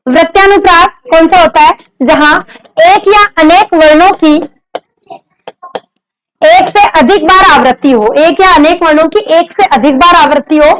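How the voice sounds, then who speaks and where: A woman's voice: sits high, poor audio. A woman teacher giving a classroom lecture on grammar, explaining step by step, repeating examples and putting questions to her students.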